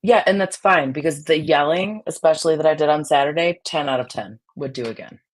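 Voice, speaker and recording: A woman with a raspy, projected voice, talking bluntly as a guest in a casual chat. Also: sits low, brisk. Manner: projects her voice, blunt and fiery.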